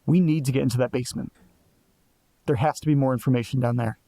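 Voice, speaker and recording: An actor playing a restless, sardonic young man in an audio drama, who keeps piecing clues together out loud. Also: mid-range voice, steady tone, dry recording, natural voice. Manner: sardonic, restless, quick to jump to conclusions. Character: Nate, anxious young man chasing a mystery.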